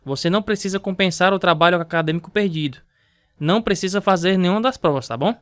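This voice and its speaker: A high, smooth-voiced patient principal. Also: male voice, fast, a bit bright, no room sound, studio quality. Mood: reassuring. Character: patient, long-suffering male school principal. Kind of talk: radio drama acting.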